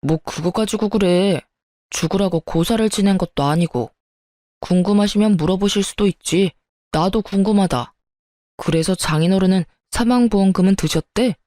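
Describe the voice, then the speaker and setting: A woman's voice: mid-range voice, moderate pace, mellow, no echo, studio quality, close to an everyday voice. A woman doing a selfish, blustering husband. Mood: dismissive. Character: selfish, hot-tempered young husband.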